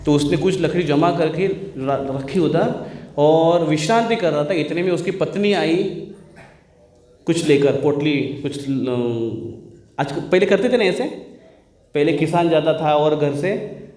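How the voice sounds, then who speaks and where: A man's voice: on the high side, slow, a little mellow. A man preaching a sermon, telling a story playfully with laughter, in a temple hall.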